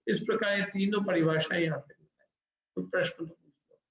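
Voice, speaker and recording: In a very echoey room with a dull lo-fi sound and slight background noise, a middle-aged male Jain scripture teacher walks his class through the material. His fairly high voice is steady, a little fast and a bit bright, and he explains step by step while asking questions in this interactive class.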